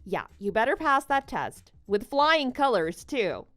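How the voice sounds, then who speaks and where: Woman acting a high-voiced, devoted wife. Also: big pitch swings, a little slow, a bit bright, dry recording, soft background music. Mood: accommodating. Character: devoted, slightly needy wife, doubtful but accommodating. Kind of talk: scripted dialogue for an online story drama.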